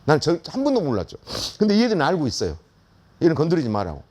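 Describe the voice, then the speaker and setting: An older man tells a long story in a lecture, with a husky voice that sits a little high. His pitch rises and falls widely as he acts out the people in the story and laughs along the way. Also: quick pace. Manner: animated, acts out quoted voices, laughs often. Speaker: school principal giving a lecture.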